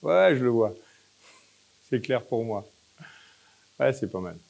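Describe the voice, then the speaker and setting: A man leading a hypnosis session, giving short, repetitive, coaxing instructions with pauses between phrases. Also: medium pitch, animated, gravelly, a little mellow. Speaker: hypnosis practitioner leading a demonstration.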